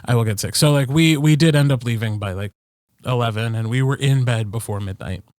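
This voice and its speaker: Man, medium pitch, podcast co-host, casual chat, wry self-deprecating humor, dry close mic. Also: a little fast, darkish tone, dry recording. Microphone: close podcast microphone, dry sound.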